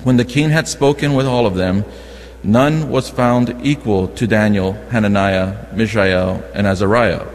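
Male lector, lower register, formal scripture delivery, long reverberant church sound. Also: unhurried. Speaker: lector at Mass. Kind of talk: formal scripture reading and responsorial canticle. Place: large church.

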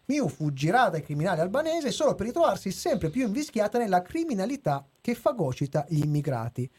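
A man's voice: sits high, sing-song, a little fast, darkish tone, husky. A man co-hosting a podcast, reading a prepared review with some hesitations and chatting with co-hosts. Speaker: podcast host. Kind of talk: casual chat and read review.

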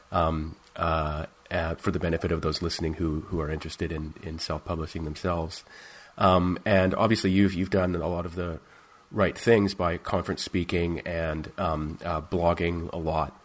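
Guy interviewing someone, really low flat voice, hesitant and kinda halting. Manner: hesitant, halting, roundabout phrasing. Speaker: interviewer, host. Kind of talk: casual interview questioning.

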